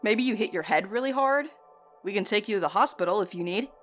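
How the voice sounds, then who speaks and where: Casting: actress for concerned female friend in an audio drama, medium pitch, gently sceptical, conciliatory, music underneath. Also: lively intonation, quick pace, lightly acted. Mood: doubtful, conciliatory. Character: concerned, doubtful but conciliatory friend, a woman. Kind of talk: audio drama acting, conversational.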